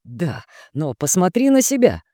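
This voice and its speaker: A woman voicing a smug, hypocritical husband who talks in a smooth, placating, condescending way. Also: fairly low pitch, big pitch swings, measured pace, dark tone, dry recording, studio quality, voice pushed up.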